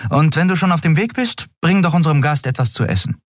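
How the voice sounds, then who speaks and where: A man's voice: fairly high pitch, expressive, no echo, clean studio sound, voice pushed up. A man voicing a breezy young starship captain. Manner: brisk, breezy, covering nerves. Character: young woman starship captain, nervous but bluffing. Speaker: ship captain.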